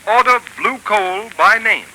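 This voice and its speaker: A man announcing and reading an advertisement on a 1930s radio show in a brisk, persuasive manner. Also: high voice, sharp tone, low-quality recording. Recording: hissy old 1930s radio broadcast.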